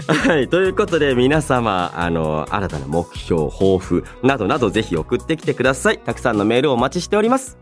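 Animated man hosting a radio show. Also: mid-range voice, normal speed. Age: 30s. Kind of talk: casual solo radio talk, reading listener mail. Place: radio studio. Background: background music.

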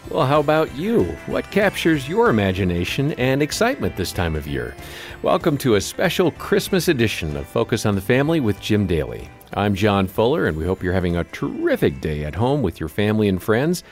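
A man's voice: on the low side, very animated, fairly quick, soft background music. A mature man co-hosting a radio show in a conversational broadcast style. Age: middle-aged or older.

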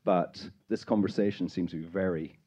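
A man's voice: sits low, steady tone, moderate pace, warm tone. A man with a Northern Irish accent, an audience member bluntly challenging a panel. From Northern Ireland. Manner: blunt, emphatic. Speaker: audience member asking a question. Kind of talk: pointed challenge at a panel discussion.

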